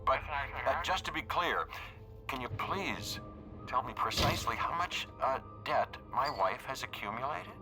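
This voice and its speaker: An actor playing a nervous husband who stammers and hedges politely in a game. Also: male voice, medium pitch, expressive, unhurried, rough recording. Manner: hesitant, stammering, overly polite. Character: nervous evasive middle-aged husband. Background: music.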